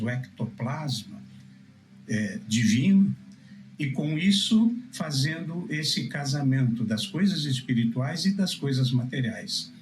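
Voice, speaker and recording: A Brazilian man preaching and teaching on religion in a solemn, deliberate way, with emphatic phrasing broken into short segments. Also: medium pitch, rough recording. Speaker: minister-preacher answering questions.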